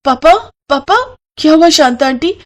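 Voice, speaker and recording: Woman playing a high-pitched, plaintive innocent daughter. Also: animated, measured pace. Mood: anxious, pleading. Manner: plaintive, pleading. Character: innocent, anxious young blind daughter.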